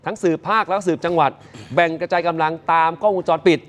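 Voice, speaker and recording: A man presenting morning news, retelling events in a lively, chatty way and addressing viewers directly. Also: fairly high pitch, fast talker.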